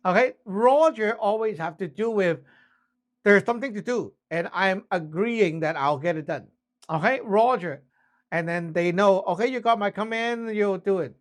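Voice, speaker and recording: A man's voice: sits high, moderate pace. A man teaching in a casual, conversational way, explaining step by step and often checking that listeners follow. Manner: conversational, frequent check-ins, spells things out step by step. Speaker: instructor teaching radio communication basics. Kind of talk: casual spoken lesson with acted-out example exchanges.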